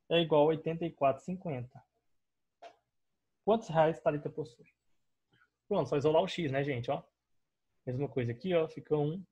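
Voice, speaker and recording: With a medium-pitched, darkish voice and a breathy edge, a young Brazilian man leads an online math lesson on a digital board, captured by screen recording. His Brazilian Portuguese accent comes through as he patiently explains every step and often checks on his students.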